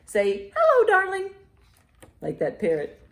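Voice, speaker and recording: A woman hosting a children's storytime in an animated, encouraging, sing-song way, with rhymes and picture-book reading. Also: very high-pitched, measured pace. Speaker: library storytime host. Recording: roomy, echoey indoor sound.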